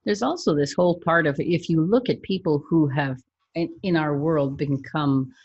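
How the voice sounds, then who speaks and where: A woman's voice: sits low, normal speed, a little mellow, husky, no echo, highs cut off. A woman hypnotherapist, a guest on a podcast, speaking matter-of-factly about her clients. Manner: matter-of-fact, tells client stories. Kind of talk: casual podcast interview.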